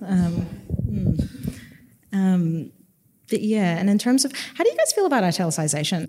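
A woman's medium-pitched voice with an Australian accent, lively intonation, very even loudness, a moderate pace and long, frequent pauses. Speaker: editor. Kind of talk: panel discussion.

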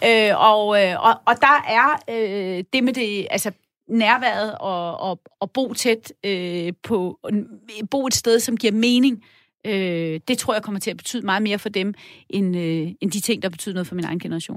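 In an ordinary speaking voice, a woman talks at a medium pitch and a fairly slow pace with ordinary pitch variation, on a very clean recording with a silent background and a dry, close sound with no echo. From Denmark, Møn. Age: 50s. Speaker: think tank director. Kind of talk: radio panel discussion. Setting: radio studio.

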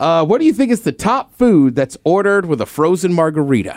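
With an American accent, a man speaks at a fairly quick pace in an unremarkable speaking voice, fairly high in pitch, the sound dry and close with no echo. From Washington D.C. area. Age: 40s. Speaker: radio host. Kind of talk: casual chat.

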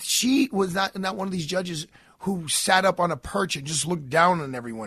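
With a New York accent, a man speaks high-pitched and fairly quick, his intonation lively. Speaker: radio host and attorney. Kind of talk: radio talk show. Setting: broadcasting from his law office.

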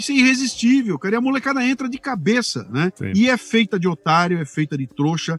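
Speaking at a fairly quick pace with hardly any pauses, a man uses a high pitch with very wide pitch swings. The sound is dry and close, with no echo. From Bauru, São Paulo interior, Brazil. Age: 60s. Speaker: podcaster and public speaker. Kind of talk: casual interview chat.

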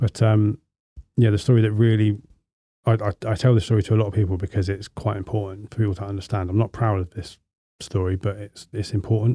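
In an English accent, a man speaks at a very fast pace, fairly low and somewhat breathy, with a dark, mellow tone and monotone, flat intonation. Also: dry, close sound with no echo. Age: 40s. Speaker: author. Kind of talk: casual chat.

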